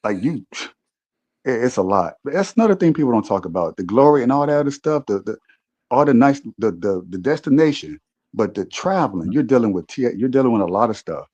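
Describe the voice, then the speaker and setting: A man musing casually with friends on a podcast, often restarting his sentences as he thinks. His voice sits at a middling pitch. The sound is dull and lo-fi. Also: very animated, fairly quick, darkish tone. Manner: reflective, rambling with many restarts. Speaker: podcast co-host. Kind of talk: casual chat.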